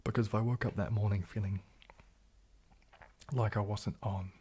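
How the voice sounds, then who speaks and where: A man with a soft New Zealand accent that can pass for British, chatting to viewers on an ASMR livestream in a hushed, breathy, often half-whispered voice, polite and halting. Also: on the low side, steady tone. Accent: New Zealand, soft, often taken for British. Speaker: ASMR YouTuber hosting a live stream. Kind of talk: ASMR livestream chat, reading and answering viewer comments.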